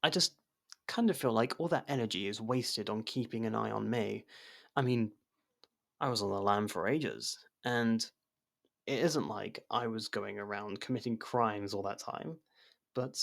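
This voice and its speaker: A man playing an abrasive but protective murderer turned investigation partner in an intimate ASMR audio drama, speaking in a halting, guarded way. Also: fairly low pitch, creaky, a bit bright. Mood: cautioning, earnest.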